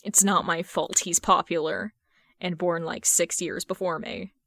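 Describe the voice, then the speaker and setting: A woman's voice: lowish voice, fairly even intonation, a little slow, vocal fry, a bit bright, no echo, full character voice. A woman reading the part of a bashful, earnest young man who streams, casual and mildly defensive, in an audiobook story.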